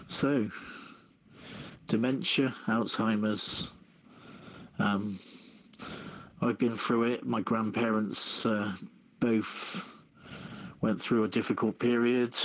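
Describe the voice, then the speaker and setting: A man hosting a casual talk show, reading news and chatting in a halting, measured way. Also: fairly low pitch, a bit bright, low-quality recording. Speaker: show host.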